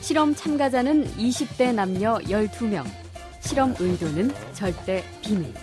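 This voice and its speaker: A woman announcer narrating a documentary in a calm, polished, scripted delivery. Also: mid-range voice, unhurried. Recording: music playing behind.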